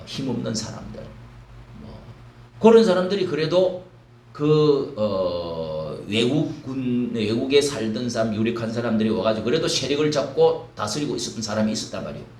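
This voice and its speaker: A male pastor giving an early-morning sermon in a lively, animated way, acting out quoted lines. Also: medium pitch. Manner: animated preaching with dramatized quotes. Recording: roomy echo from a distant mic, faint noise.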